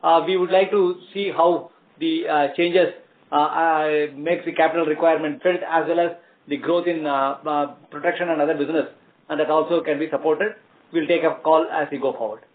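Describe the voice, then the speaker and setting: A man with an Indian accent answers as a company executive on an earnings call, explaining in a halting, measured way. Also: a little high, fairly even intonation. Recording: tinny phone-like conference line.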